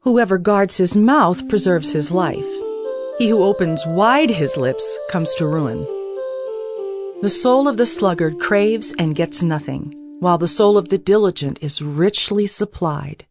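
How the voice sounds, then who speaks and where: A woman with a fairly low voice reads scripture as a narrator. Her delivery is measured and declarative, in the style of a dramatized audio Bible. Instrumental music plays clearly behind her. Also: animated. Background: instrumental music with guitar.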